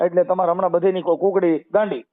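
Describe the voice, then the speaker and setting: Man, high voice, Saurashtra Gujarati accent, outspoken and colloquial helpline adviser, thin phone-line sound. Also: steady tone, fast. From Gujarat, India. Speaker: activist taking a help call. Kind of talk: informal phone counselling conversation. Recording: narrowband phone call audio.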